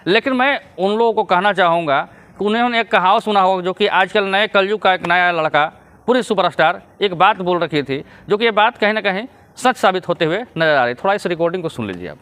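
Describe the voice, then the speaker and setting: A man's voice: sits high, lively intonation, fairly quick, a bit bright. A man giving casual vlog commentary, lecturing his viewers and chuckling between points. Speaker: YouTube commentator.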